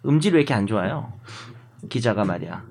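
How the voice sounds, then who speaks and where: A man's voice: on the low side, expressive, quick pace, vocal fry, a little mellow. A man co-hosting a casual discussion, explaining things step by step with a teasing streak. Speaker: podcast co-host.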